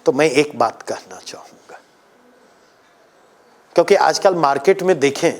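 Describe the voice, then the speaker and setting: A man teaching an exam coaching class, lecturing emphatically and putting questions to his students. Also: sits high.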